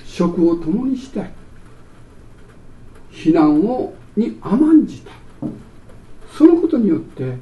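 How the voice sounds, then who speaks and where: A man's voice: high voice, highs cut off. A middle-aged man preaching a sermon as pastor, telling stories animatedly and acting out scenes. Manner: animated storytelling, acts out scenes. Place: church sanctuary. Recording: echoey church hall from far off.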